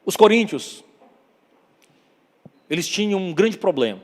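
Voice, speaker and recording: A man with a northeastern Brazilian accent preaching a sermon, telling the story dramatically, acting out dialogue and building to loud climaxes. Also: high-pitched, big pitch swings, a little slow. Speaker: evangelist preacher. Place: church hall. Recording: long church reverb.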